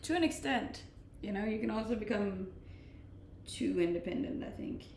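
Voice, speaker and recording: A chatty woman in her twenties from Denmark, talking loosely to her live stream viewers and often breaking into laughs. Her voice has a gravelly fry, and she sits back from the mic in a roomy, echoey space with a faint hiss underneath. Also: mid-range voice, moderate pace, darkish tone, distant mic. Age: 20s. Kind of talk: casual chat reading stream comments.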